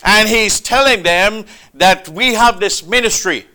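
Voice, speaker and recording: A man preaching a sermon, with a loud, booming, emphatic delivery, speaking into a microphone in a church hall. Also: a little slow. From Trinidad. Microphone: handheld or stand mic.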